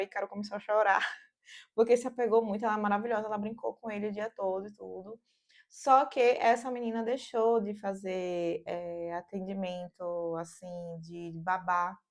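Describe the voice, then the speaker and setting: A woman in her thirties from Brazil with a Brazilian Portuguese accent, chatting casually and animatedly in a vlog from her home office. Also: medium pitch. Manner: chatty and animated, lots of fillers. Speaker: vlogger.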